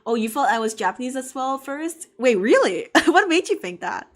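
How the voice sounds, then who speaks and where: A woman's voice: high-pitched, big pitch swings, normal speed. A woman with a Cantonese accent, chatting casually and ramblingly with her viewers as a game streamer. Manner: chatty, rambling, often laughing. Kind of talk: casual gaming-stream chat.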